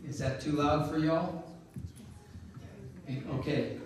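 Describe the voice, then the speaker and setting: A man giving an informal, conversational church talk with a loud, folksy delivery. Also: a little high, takes it slowly, slight background noise. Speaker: church speaker. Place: church sanctuary. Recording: echoey church hall, distant mic.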